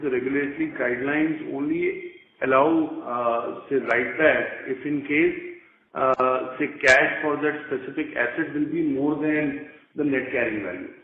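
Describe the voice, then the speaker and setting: A man with an Indian accent giving deliberate, explanatory answers as an executive on an earnings call, often using "say" as a filler. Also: on the high side, slight background noise. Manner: measured, deliberate, frequent "say" as filler. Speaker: company executive. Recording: roomy, tinny conference phone line.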